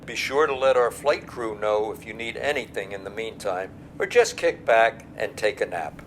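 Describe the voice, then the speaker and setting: An actor playing a genial, reassuring airline captain making a routine cabin announcement in an audio drama. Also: male voice, on the low side, lively intonation, moderate pace, fairly bright tone, a little hiss or hum. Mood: relaxed, friendly. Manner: easygoing, reassuring.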